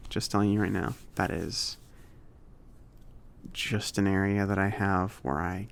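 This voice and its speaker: A man playing a friendly, slightly awkward mage shopkeeper in a soft-spoken, hesitant, casual ASMR roleplay. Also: low voice, steady tone, a little slow, gravelly. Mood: accommodating, rambling. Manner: hesitant, rambling, accommodating. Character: friendly, slightly awkward male mage running a magic shop.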